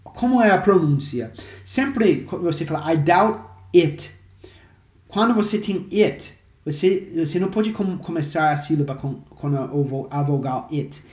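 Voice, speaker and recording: A man who is a native English speaker teaching English, explaining phrases slowly and repeating examples for drill. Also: on the high side, darkish tone. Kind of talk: language lesson to camera. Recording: echoey room.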